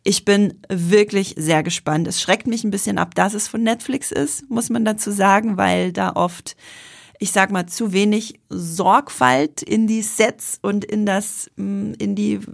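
A woman's voice: medium pitch, a little slow, creaky, no room sound, clean studio sound. A woman with an Austrian accent, chatting casually on a podcast about an upcoming series, with many fillers and restarts. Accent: Austrian German. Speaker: podcast co-host, film journalist.

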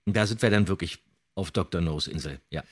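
Man, podcast host, animated casual commentary, rough-edged lowish voice, theatrical quoting. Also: brisk. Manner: animated, anecdotal, quotes lines theatrically. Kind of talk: casual audio drama commentary.

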